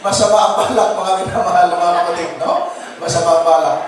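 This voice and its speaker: A man's voice: high voice, fairly even intonation, fast talker. A male pastor gives a humorous sermon, joking with the congregation, laughing often, and dropping English words into his talk. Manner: jokes with the crowd and laughs often; keeps addressing the listeners as brothers and sisters. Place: church. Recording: very echoey church from a distance, noisy.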